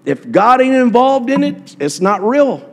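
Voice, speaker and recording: A man's voice: very high-pitched, big pitch swings, unhurried, creaky, long reverb tail. A man preaching a sermon in a church, impassioned and repetitive, with frequent fillers and restarts. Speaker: pastor.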